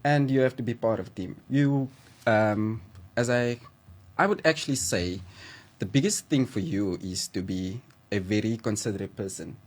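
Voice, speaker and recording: A man's voice: fairly low pitch, normal speed, darkish tone. A South African man in his twenties, a guesthouse manager being interviewed on radio, chatty and hesitant with many fillers. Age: 20s.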